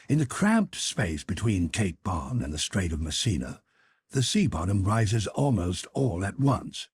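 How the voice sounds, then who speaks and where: Casting: male audiobook narrator, formal and expressive, lively melodic range, close dry studio sound. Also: on the low side, breathy edge, no room sound. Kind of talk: scripted literary narration.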